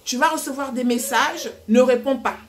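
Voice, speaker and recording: A woman's voice: high voice, normal speed. Chatty woman vlogger telling a story. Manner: chatty, animated retelling with quoted dialogue. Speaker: cooking vlogger. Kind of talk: casual storytelling to camera. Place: home kitchen.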